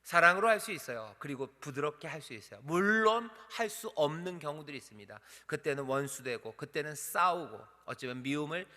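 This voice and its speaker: A man's voice: on the high side, animated, brisk, hardly any pauses, sharp tone. A male pastor preaching a sermon, asking the congregation questions and dramatically acting out the voices in the story. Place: church sanctuary. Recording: church hall reverb.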